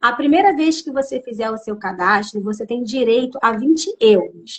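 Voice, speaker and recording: A woman with a Brazilian accent speaks at a moderate pace in a high voice with lively intonation. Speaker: mental health professional. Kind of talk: live stream talk, platform promotion. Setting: online live stream.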